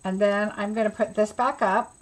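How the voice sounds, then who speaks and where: Over a rough recording, a woman hosts a laid-back live craft class, voicing each step of her work as though half to herself. Her mid-range voice keeps a fairly even intonation at a moderate pace.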